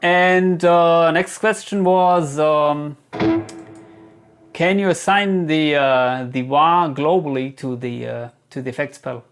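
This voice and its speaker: Male gear reviewer, slightly high voice, casual and halting Q&A delivery, music in the background. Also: clean tone. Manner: hesitant, halting, thinking aloud. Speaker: guitar gear reviewer answering viewer questions. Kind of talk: casual product Q&A talk.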